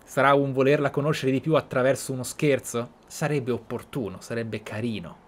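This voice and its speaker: A man's voice: mid-range voice, a little fast, slight background noise. A man giving casual, musing commentary as he plays a game, thinking aloud. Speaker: gameplay streamer.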